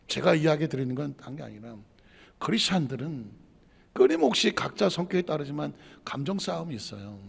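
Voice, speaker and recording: A male pastor preaching a sermon with animation, acting out quarrels in mock voices and dropping to low asides. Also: big pitch swings, brisk, creaky, husky. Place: church sanctuary. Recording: long hall reverb.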